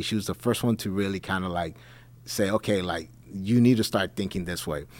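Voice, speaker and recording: A man speaks in an unremarkable speaking voice at a moderate pace and a fairly low pitch. The recording is very clean, with a silent background. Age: 40s. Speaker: former Marine turned real estate agent. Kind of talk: casual interview chat.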